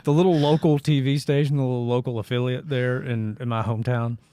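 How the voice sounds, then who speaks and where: A middle-aged man from Northeast Arkansas hosts a casual podcast. He tells rambling stories in a sarcastic voice of middle pitch. The recording is dry and close, with no room sound. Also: fairly even intonation, brisk, warm tone, clear, resonant tone, no room sound. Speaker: podcast host.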